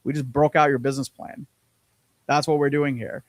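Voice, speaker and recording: A man's voice: medium pitch, little pitch movement, normal speed, dry recording. A man co-hosting a business podcast in casual chat, rambling with lots of fillers and repeated words, on a close mic. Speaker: podcast co-host.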